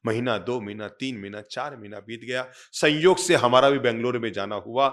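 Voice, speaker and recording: A man's voice: mid-range voice, normal speed, a bit bright. A man who is a monk, giving a sermon in a meditation hall. He tells a story to the audience, acts out the voices of the people in it, and calls on the listeners to join in. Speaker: monk giving a spiritual discourse.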